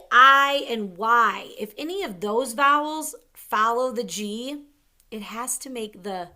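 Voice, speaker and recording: A woman teaching an early-grade reading lesson, sounding out words slowly and clearly with an upbeat, encouraging manner. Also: on the high side, pushed and bright.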